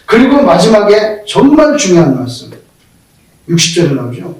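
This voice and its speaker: A male pastor preaching a sermon, telling stories in an animated way and acting out the quoted speech of the people in them. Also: high voice, normal speed. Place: church sanctuary. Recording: very echoey hall, voice from far off.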